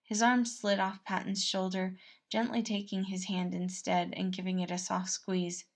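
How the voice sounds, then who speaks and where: A woman's voice: mid-range voice, little pitch movement, normal speed. A woman reading a story aloud as narrator, in a storytelling style. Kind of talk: storytelling narration of fan fiction.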